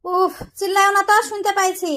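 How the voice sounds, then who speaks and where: A woman plays an exasperated young wife in a comedy cartoon, with a tiny, extremely high voice. She has a Rajshahi Bengali accent and snaps out curt, complaining replies. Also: level tone, fairly quick, sharp tone, a little hiss or hum. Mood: weary annoyance. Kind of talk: comic cartoon dialogue.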